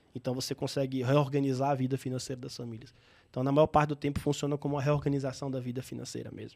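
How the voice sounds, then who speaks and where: Speaking very fast in a flat monotone, a man with a medium pitch swings widely in loudness. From interior of Bahia, Brazil. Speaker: entrepreneur, fintech founder. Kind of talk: interview.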